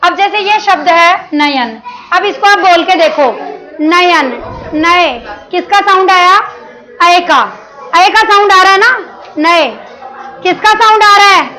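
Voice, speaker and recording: Woman teacher, Rajasthani Hindi accent, very high voice, bright tone, classroom lesson, quizzes the class and answers herself. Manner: explains step by step, asks the class questions and answers them herself; mixes English words into Hindi.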